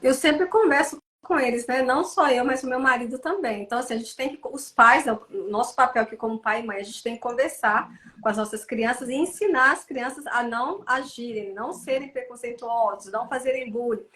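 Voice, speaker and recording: A Brazilian woman in her thirties, a children's author, telling stories with animated indignation in a casual interview. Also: a little high, brisk. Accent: Brazilian Portuguese. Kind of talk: casual interview over a live stream.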